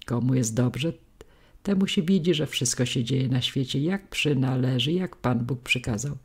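A woman voicing a sharp-tongued old village gossip woman, scolding in folksy peasant speech. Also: extremely low pitch, moderate pace, slightly rough, full character voice.

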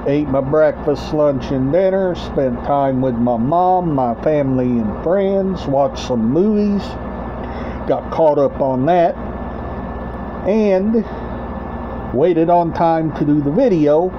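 Middle-aged male vlogger, slightly high voice, halting and repetitive, casual show-and-tell; dull, noisy home recording. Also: animated. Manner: halting, short broken phrases, repeats himself. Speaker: host of a collection video channel. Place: small room at home, indoors. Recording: dull lo-fi webcam-like sound, clear background noise.

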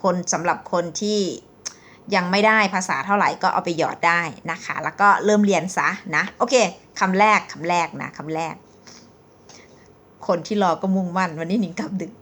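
Bright chatty woman teaching English. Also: lowish voice. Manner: chatty, rambling, reads English lines slowly with Thai explanations. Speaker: English tutor. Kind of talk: casual vlog-style language lesson.

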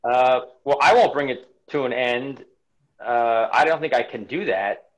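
A man's voice: medium pitch, unhurried, low-quality recording. A man in his forties on a video call from home, talking reflectively about his life, often restarting and repeating words. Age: 40s. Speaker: interview guest, runner. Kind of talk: casual video-call interview. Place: home room indoors. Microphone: webcam on a video call.

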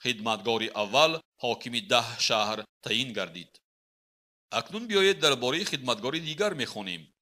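A man, reading a Christian teaching book aloud in a measured, teaching manner. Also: mid-range voice, lively intonation, sharp tone. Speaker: audiobook reader. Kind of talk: scripted narration of a Christian book.

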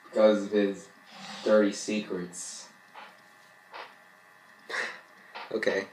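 A young man reads a story aloud and comments on it, haltingly, often tripping over his words. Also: lowish voice, little pitch movement, a little mellow, a little hiss or hum, rough recording. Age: young adult. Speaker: vlogger. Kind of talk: reading fan fiction aloud with mocking commentary. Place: small bedroom indoors.

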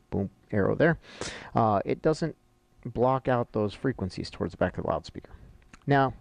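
A middle-aged man with a lowish, creaky voice gives an informal lesson. The sound is dry and close, and he talks conversationally, working through each step aloud as an instructor would. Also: a little mellow, no room sound. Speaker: audio-visual instructor. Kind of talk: informal instructional explanation while annotating charts.

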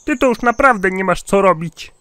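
A man's voice: high voice, expressive, normal speed, bright, forceful tone, no echo. A man playing a sceptical, nosy old man who asks incredulous questions in a cartoon comedy skit.

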